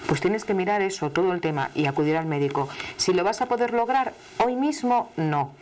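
A middle-aged woman from Asturias with an Asturian accent and a low, deep voice, doing a live studio tarot reading. She talks to the caller emphatically and familiarly, with chatty warmth in her words. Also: expressive, brisk, a little hiss or hum. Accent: Asturian Spanish. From Asturias, Spain. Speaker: television tarot reader. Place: television studio. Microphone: studio microphone, seated at desk.

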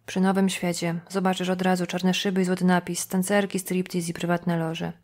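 A woman's voice: lowish voice, completely flat delivery, normal speed, darkish tone, close to an everyday voice. A woman reading an audiobook voices a brash, street-smart woman who talks in a coarse, mocking way. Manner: coarse, sneering, blunt. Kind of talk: audiobook dialogue.

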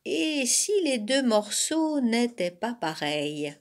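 A woman voicing two greedy young male bear cubs who whine and bicker in a shrill voice. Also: big pitch swings, takes it slowly, full character voice. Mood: quarrelsome. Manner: shrill and whiny.

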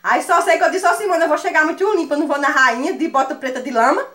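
A woman with a Northeastern Brazilian accent telling a funny story to her viewers, animated and laughing often. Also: high voice, fast talker. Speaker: vlogger. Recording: echoey room sound.

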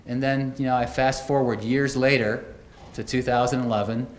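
A man's voice: medium pitch, fairly even intonation, moderate pace. Middle-aged man speaking in echoey hall. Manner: conversational storytelling with asides. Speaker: keynote speaker. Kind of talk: conference keynote talk. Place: conference auditorium at a podium. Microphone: podium microphones. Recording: echoey auditorium, faint noise.

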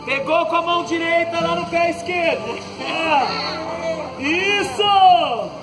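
A Brazilian man leading an outdoor stretching class, giving calm breathing cues and joking lightly as he moves the group through each pose. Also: very high voice, slow, low-quality recording. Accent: Brazilian Portuguese. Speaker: fitness instructor. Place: outdoor court, large open space. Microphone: far camera on the ground. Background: background music.

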